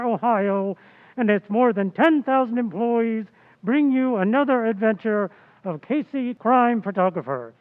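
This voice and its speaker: A male announcer in the old-time radio manner, declaiming polished scripted narration. His voice is pitched very high for a man and comes through narrow and phone-like. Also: no room sound.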